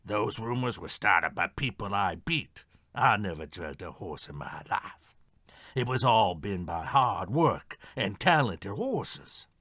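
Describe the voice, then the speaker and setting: A man's voice: lowish voice, very animated, slow pace, pushed and bright, no room sound, clean studio sound, heavily acted. A man acting a stubborn, defensive horse trainer in an audio mystery play, respectful but defiant. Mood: indignant, protective. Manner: defensive, addresses superiors respectfully.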